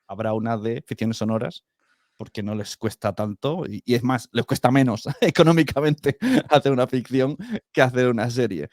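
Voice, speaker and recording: A man's voice: mid-range voice, normal speed, a little mellow, dry recording, clean studio sound. A man with a Spanish accent from Spain, chatting casually as a podcast host. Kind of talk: casual chat.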